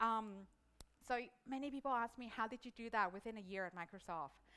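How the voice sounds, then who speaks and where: Speaking at a moderate pace with a non-native accent, a woman uses a bright, sharp tone at medium pitch with ordinary pitch variation. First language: not English. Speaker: conference speaker, cloud solution architect. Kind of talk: conference talk. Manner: halting.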